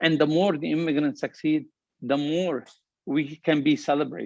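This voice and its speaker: A man's fairly high, passionate voice in a strong Lebanese accent, at a moderate pace, with a dry, close sound with no echo and a quiet background. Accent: heavy Lebanese Arabic. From Lebanon. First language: Arabic. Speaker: entrepreneur, panelist. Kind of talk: panel talk. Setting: virtual panel.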